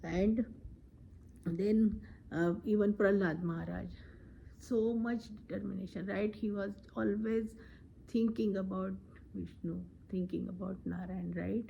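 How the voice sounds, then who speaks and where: A woman's voice: medium pitch, unhurried, vocal fry, lo-fi sound, slight background noise. A woman giving a devotional scripture discourse, earnest, often asking "right?" and acting out quotes. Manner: earnest, lively quoting, frequent "right?". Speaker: devotional speaker.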